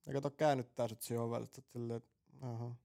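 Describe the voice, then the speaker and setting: Gravelly man rambling through crude stories. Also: mid-range voice, level tone, warm tone. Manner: rambling storyteller, swears freely, laughs. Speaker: podcast co-host. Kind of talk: casual crude banter.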